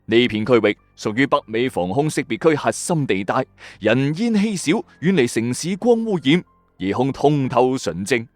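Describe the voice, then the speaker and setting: Male Cantonese narrator from a Hong Kong late-night mystery show: lively swooping delivery, dry close sound, music underneath. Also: medium pitch, moderate pace, dry recording. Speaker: storyteller host of a mystery radio channel. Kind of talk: dramatic scripted mystery narration.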